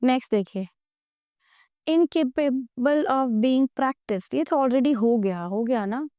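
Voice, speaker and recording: A woman with an Indian accent teaching English vocabulary in Hindi, reading English definitions slowly and quizzing her students. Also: sits high, no echo, lo-fi sound. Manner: explains in Hindi, reads English definitions slowly, asks the class questions. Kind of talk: classroom vocabulary lesson.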